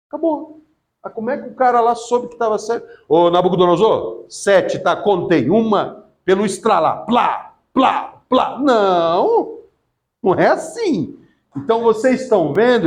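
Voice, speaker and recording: A middle-aged man giving a classroom theology lecture, lively and often asking the class questions. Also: sits high. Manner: lively, asks the class questions and acts out quotes. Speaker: theology teacher.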